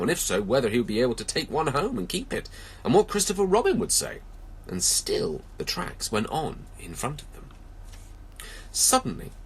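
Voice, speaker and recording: A man reading a children's story aloud with expressive, theatrical narration and drawn-out emphasis. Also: fairly low pitch, breathy edge. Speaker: storybook reader.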